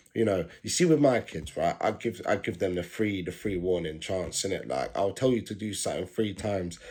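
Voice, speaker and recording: A man with a London accent talks at a fairly quick pace with hardly any pauses, using a fairly low pitch and ordinary pitch variation, on a very clean recording with a silent background. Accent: London Multicultural English. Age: 20s. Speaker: podcast host, father. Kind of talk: casual monologue. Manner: casual, filler-heavy with repetitions.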